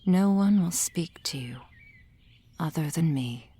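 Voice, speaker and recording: A woman voicing a gentle female soul healer in an ASMR roleplay, whispering softly and soothingly into a close microphone. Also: low-pitched, expressive, exaggerated voice. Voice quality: breathy whisper. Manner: soft whispering, slow and soothing. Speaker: ASMR performer.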